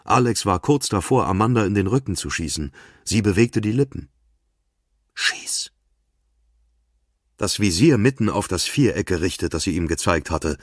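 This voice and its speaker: A man's voice: low voice, lively intonation, fairly quick, no room sound, studio quality. A man narrating a thriller audiobook in terse, tense scripted prose.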